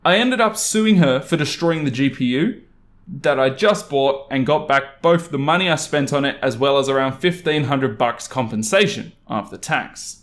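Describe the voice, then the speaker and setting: A young man from Australia reads online stories as a host, adding casual, animated and exasperated commentary. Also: medium pitch, moderate pace. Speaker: YouTube host reading Reddit stories. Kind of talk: story reading with casual commentary.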